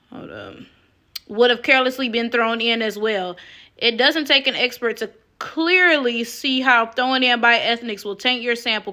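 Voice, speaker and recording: Woman, forceful bright tone, raised pitch, casual commentary, incredulous and sassy. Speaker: online commentator.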